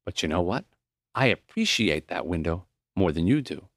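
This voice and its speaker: A man reading the lines of a gentle, reflective old dying professor in a memoir audiobook, earnest and plain-spoken. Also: low voice, sing-song, moderate pace, no room sound, clean studio sound, pitched below the performer's own voice, exaggerated voice. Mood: wistful.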